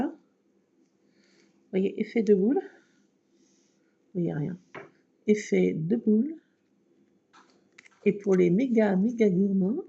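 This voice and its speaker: Gravelly-voiced chatty woman crafting. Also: mid-range voice, dark tone. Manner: chatty, self-mocking, laughs often. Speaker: craft vlogger. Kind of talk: casual chat while crafting. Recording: dull lo-fi recording.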